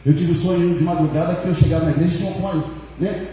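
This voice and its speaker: A man, a pastor, telling a personal story in a sermon, animated and repetitive, full of fillers. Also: a little high, rapid-fire, slight background noise. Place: church hall. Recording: echoey church hall, mic far off.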